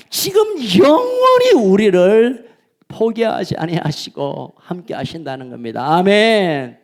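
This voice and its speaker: Animated, high-voiced male preacher. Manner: animated preaching, swinging between loud and soft. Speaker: pastor. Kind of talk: sermon. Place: church sanctuary.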